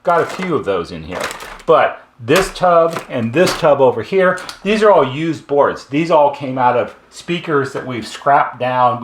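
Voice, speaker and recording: A man's voice: medium pitch, fairly bright tone, slight background noise. A man talking informally to viewers as a repair technician in an instructional video, emphatic and fond of repetition and rhetorical questions. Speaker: repair shop technician presenting a how-to video. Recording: roomy, echoing room sound.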